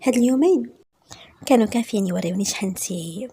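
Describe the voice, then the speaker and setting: A woman with a Moroccan accent voicing a confident, assertive man, in a soft, half-whispered delivery. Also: mid-range voice, very fast, slightly rough. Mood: persuasive.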